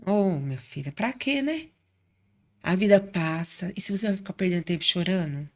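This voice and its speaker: A woman's voice: on the low side, expressive, normal speed. A middle-aged woman from Brazil telling her faith story in casual chat, acting out quoted voices as she goes. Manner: warm chatty storyteller, acts out quoted voices. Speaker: guest.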